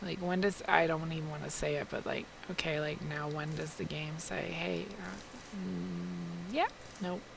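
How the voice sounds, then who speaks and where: The speaker has an animated tone and talks at a fairly slow pace. There is audible room echo. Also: woman. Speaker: game streamer. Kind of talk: casual live-stream commentary while gaming. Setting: live stream with headset. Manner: chatty, animated; loud.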